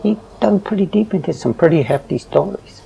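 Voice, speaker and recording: An actor playing a cynical, fearful newsroom worker in an audio drama, cautioning and lecturing in a hushed manner. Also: male voice, sits high, expressive, brisk, vocal fry, slightly rough, heavily acted, poor audio. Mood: wary. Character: cynical, fearful male newsroom worker who obeys management.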